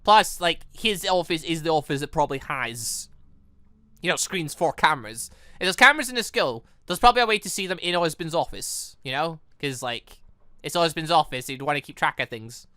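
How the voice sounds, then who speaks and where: A man's voice: on the high side, animated, a little fast, pushed and bright, clear, resonant tone, dry recording. A man giving casual gaming commentary in a rambling way, often interrupting his own sentences. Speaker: gaming channel host.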